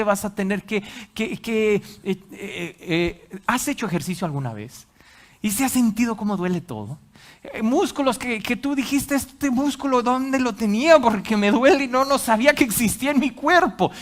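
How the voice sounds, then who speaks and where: A preacher giving a live sermon to a congregation, acting out quotes and asking the audience questions. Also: mid-range voice. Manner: animated, acts out quotes, asks the audience questions. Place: church hall with a congregation.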